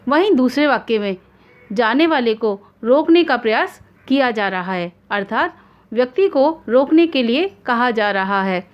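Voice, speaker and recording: A woman hosting an online grammar lesson, explaining in a formal, measured way with examples. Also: fairly high pitch, lo-fi sound. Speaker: Hindi grammar teacher, channel host.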